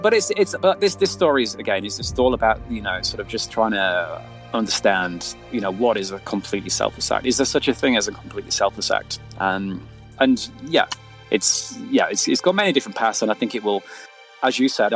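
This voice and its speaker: A low-pitched man talks casually as an interview guest, a writer by trade. He feels his way through sentences with repeated words and a modest, self-effacing manner, over faint music. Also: lively intonation, a little fast.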